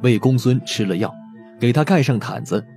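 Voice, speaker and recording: A man's voice: medium pitch, normal speed, a little mellow. A man narrating a scripted audio drama as a dramatic storyteller. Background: background music.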